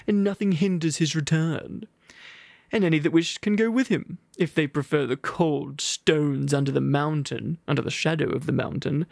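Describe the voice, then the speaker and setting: Aussie guy doing a snooty pompous old town boss, higher voice, gravelly, speechifying loud. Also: no echo, clean studio sound. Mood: haughty. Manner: loud, haughty, drawn-out speechifying. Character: posh obnoxious pompous male town master.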